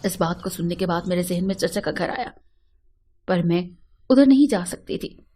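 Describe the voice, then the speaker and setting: A woman's voice: on the low side, moderate pace, warm tone. A woman reading a sad first-person story aloud in an earnest, emotional manner.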